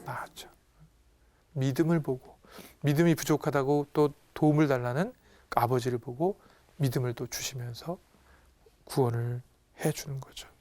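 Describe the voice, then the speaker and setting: A man, a Catholic priest, giving a lively retreat talk, acting out Gospel dialogue in different voices and quizzing his audience. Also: medium pitch, moderate pace, pauses often, no echo. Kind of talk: lively spiritual lecture to an audience.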